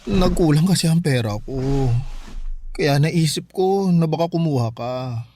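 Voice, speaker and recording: A man's voice: fairly high pitch, measured pace, mellow. A man with a Filipino accent playing a motherly, stern yet forgiving gay man in an emotional radio drama. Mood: guilty, apologetic. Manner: scolding and pleading, emotional. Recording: music bed behind the voice.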